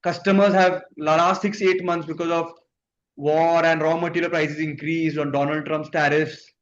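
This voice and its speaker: A man's voice: on the high side, level tone, normal speed. A man with an Indian accent, a company executive answering investors on an earnings conference call. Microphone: conference call line. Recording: muffled conference call, background noise.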